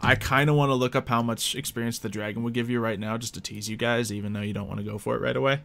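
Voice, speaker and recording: A man's voice: mid-range voice, steady tone, fast talker, vocal fry, fairly bright tone. A man chatting casually as he runs a tabletop roleplay game as game master.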